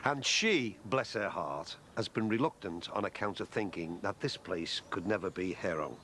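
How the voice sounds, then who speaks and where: A bluff man, middle-aged, chatty and jokey, lively ups and downs in pitch, faint hiss. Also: moderate pace. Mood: showy. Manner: chatty, jokey, wordy mock-formal speeches. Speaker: neighbour courting his partner. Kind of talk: TV soap acting.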